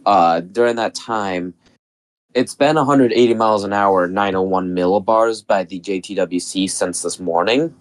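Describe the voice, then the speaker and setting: A man guest on a live weather stream, a little raspy from being sick, explaining storm data steadily. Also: sits low, normal speed.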